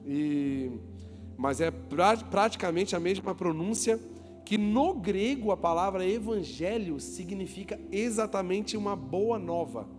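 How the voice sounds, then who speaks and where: Man, pastor, high voice, joking and questioning the congregation, long church reverb, faint music behind. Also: unhurried. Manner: joking, asks the crowd questions and calls for applause. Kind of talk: lively sermon to a congregation.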